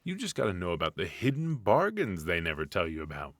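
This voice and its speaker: A man playing a smug, fussy retired supervillain husband in an intimate comedic ASMR roleplay, with a husky, mock-sinister delivery. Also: deep voice, huge pitch swings, quick pace, a bit bright, no room sound, studio quality, heavily acted. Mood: gleeful scheming.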